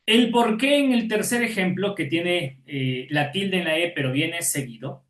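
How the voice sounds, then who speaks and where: A man's voice: sits high, measured pace, fairly bright tone, roomy sound. A man teaching an online class, patiently explaining and checking in with his students after every point.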